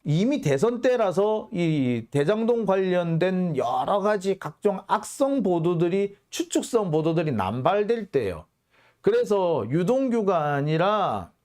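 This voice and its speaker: Guy doing fired-up court news commentary, voice sits a bit high, swings up and down a lot, keeps asking rhetorical questions. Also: normal speed. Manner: animated, rhetorical questions, indignant. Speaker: journalist and channel host.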